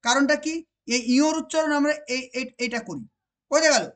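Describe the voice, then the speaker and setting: A woman with a West Bengal accent teaching an exam-prep grammar lesson. She repeats each point and keeps asking whether it is clear. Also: sits high, expressive, a bit bright. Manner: repeats points and asks rhetorical check questions; slows down to stress key phrases.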